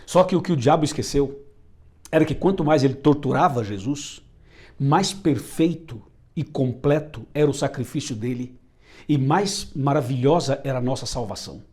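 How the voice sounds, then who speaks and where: A man's voice: medium pitch, normal speed, mellow. A man with a Brazilian Portuguese accent preaching a sermon, emphatic and repeating phrases for effect.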